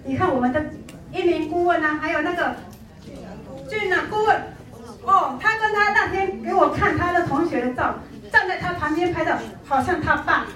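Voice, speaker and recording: A middle-aged woman gives a lively sales training talk, telling stories and acting out the people in them. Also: extremely high pitch, moderate pace, far from the mic. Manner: animated storytelling, acts out quoted people. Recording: echoey room, voice from off-mic.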